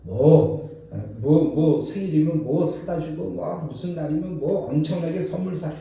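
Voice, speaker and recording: A male pastor preaching a sermon in a lively way, acting out the voices of people he quotes. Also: fairly high pitch, measured pace. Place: large church sanctuary. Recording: very echoey hall, distant from mic.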